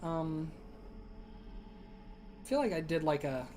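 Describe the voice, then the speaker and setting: A man's voice: on the high side, animated, takes it slowly, darkish tone, a little hiss or hum. A young man streaming a game, chatting casually and rambling through ideas with a dry throat. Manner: rambling, lots of fillers and restarts. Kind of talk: casual gaming stream chat.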